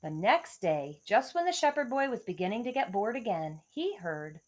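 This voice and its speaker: Female schoolteacher storyteller, lively melodic range, expressive read-aloud delivery aimed at young kids. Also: medium pitch, normal speed, slight background noise. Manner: expressive, clearly addressing children. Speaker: elementary school teacher reading to pupils.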